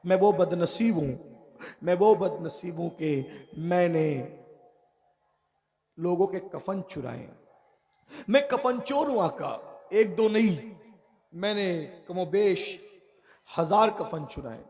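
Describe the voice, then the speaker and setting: A man preaching voices a young grave robber confessing in tears, his voice dropped low and pleading. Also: expressive, takes it slowly, pauses often, a little mellow, heavily acted. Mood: anguished confession. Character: weeping young male grave robber, deeply ashamed.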